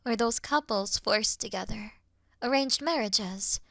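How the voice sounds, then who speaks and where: Woman playing a slow, soft-spoken moth girl. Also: on the high side, no room sound, studio quality. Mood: soft, musing. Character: awkward, officious young female moth monster offering comfort. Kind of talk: scripted ASMR roleplay, sleep aid.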